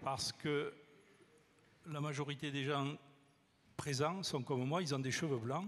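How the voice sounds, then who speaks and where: Fairly slow talk from a man with a fairly high pitch. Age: 60s. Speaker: audience member, co-owner. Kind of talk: audience question.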